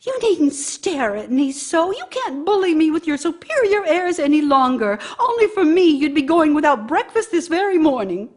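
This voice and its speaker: Actress as a high-voiced, bitter nagging wife. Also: female voice, sing-song, normal speed, hardly any pauses. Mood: accusing, angry. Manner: scornful, sarcastic, complaining. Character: bitter, nagging, aggrieved working wife scolding her idle husband. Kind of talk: stage-style radio drama monologue.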